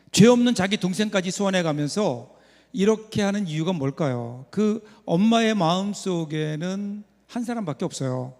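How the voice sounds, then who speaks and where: A man's voice: sits high, a little mellow. A man preaching a Sunday sermon as pastor, telling a story conversationally and putting rhetorical questions to the congregation. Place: church sanctuary. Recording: long reverb of a church hall.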